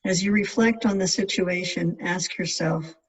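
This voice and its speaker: A meditation guide giving gentle, measured instructions in spaced-out phrases. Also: mid-range voice, husky. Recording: distant mic, dull lo-fi sound.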